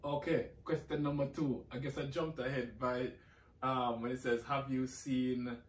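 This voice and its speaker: A man's voice: medium pitch, little pitch movement, a little slow. A man in his forties from Jamaica with a Jamaican accent, casually answering interview questions and rambling with repeated words. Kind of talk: casual recorded answers, reading questions aloud. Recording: roomy, distant from the mic.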